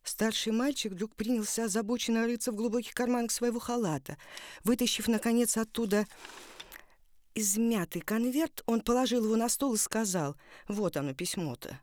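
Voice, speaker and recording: A woman giving a dramatic, deliberate and expressive narration of literary fiction. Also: a little high, no echo, studio quality.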